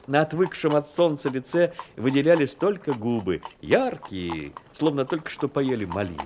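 A man narrates a radio play in a scripted literary style. His mid-range voice moves widely in pitch, shaping each sentence with lively intonation. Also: normal speed, background noise.

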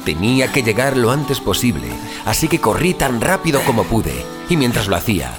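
A man playing a troubled wanderer who narrates a haunting dream in audio fiction, theatrical and suspenseful, with deliberate pauses. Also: mid-range voice, big pitch swings, lightly acted. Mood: reflective, urgent. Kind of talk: dramatic first-person audio fiction narration. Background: music.

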